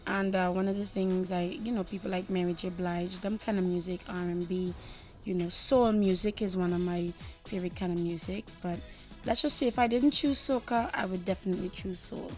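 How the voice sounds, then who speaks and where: A woman's voice: lowish voice, steady tone, fairly quick, soft background music. A young woman from Trinidad and Tobago, a singer answering interview questions confidently, often saying "you know". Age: young adult.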